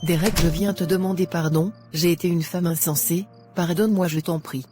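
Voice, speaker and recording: A woman voicing a repentant mother in an animated Christian drama, speaking softly and contritely. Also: on the low side, normal speed, over music, lightly acted. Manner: soft, contrite. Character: repentant mother returning to her family.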